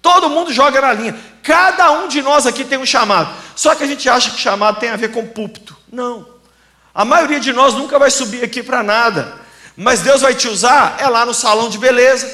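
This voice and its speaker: A man preaching a sermon as pastor, animated and humorous, acting out little dialogues as he tells stories. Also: very high voice, fairly quick. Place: church sanctuary. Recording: echoey church hall.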